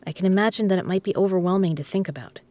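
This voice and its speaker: A woman's voice: mid-range voice, rapid-fire, warm tone, no room sound, close to an everyday voice. A woman playing a tough, teasing poker club owner with a dry, casual manner in an audio drama. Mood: reassuring, candid. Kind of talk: scripted audio roleplay spoken to the listener.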